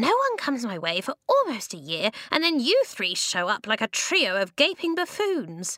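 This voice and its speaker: Squeaky and high-pitched, a female-sounding put-on character voice runs at a moderate pace with hardly any pauses. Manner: cross, complaining.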